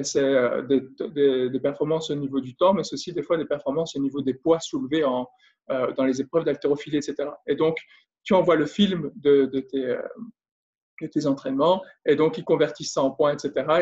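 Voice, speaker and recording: A man's voice: on the high side, darkish tone, highs cut off. A man in his thirties from France with a Belgian French accent, a consultant explaining his work in a casual interview, hesitant and full of fillers. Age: 30s. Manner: hesitant, many fillers and restarts. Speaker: guest, business consultant and trainer.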